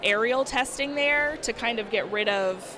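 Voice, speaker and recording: Noticeable background noise sits behind a woman with a fairly high voice. She talks fairly slowly with fairly even intonation. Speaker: history student. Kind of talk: interview. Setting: live event with crowd.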